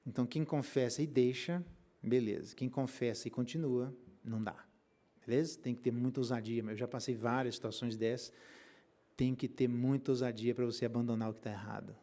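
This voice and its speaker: A middle-aged Brazilian pastor preaching a Bible exposition, telling stories with colloquial slang and rhetorical questions. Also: male voice, mid-range voice, a little mellow. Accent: Brazilian Portuguese.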